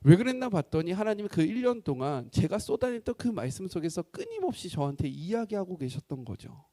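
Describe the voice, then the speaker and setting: A man preaching to his congregation, his voice sitting high and swinging widely up and down as he talks. He keeps it conversational and lively. The sound is dry and close, with almost no room echo. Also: brisk. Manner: conversational, animated preaching with acted quotes. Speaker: pastor. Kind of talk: sermon.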